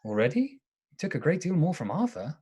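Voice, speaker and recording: Husky, earnest, anxious suitor. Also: male voice, fairly high pitch, sing-song, a little fast, mellow. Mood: distraught. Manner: hesitant, emotional, stammering when alarmed. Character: earnest, anxious lovesick man, doctor and narrator. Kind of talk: theatrical radio drama acting and narration.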